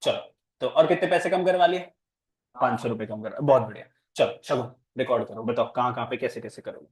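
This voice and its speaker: A man's voice: mid-range voice, fairly quick. A man teaching commerce in a classroom, playful and teasing, quizzing his students with speech. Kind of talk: classroom lecture.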